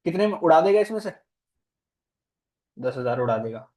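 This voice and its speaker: Brief: male commerce teacher, slightly high voice, playful, quizzes students. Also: big pitch swings, moderate pace, a little mellow. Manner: playful, teasing, questions students. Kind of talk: classroom lecture. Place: classroom.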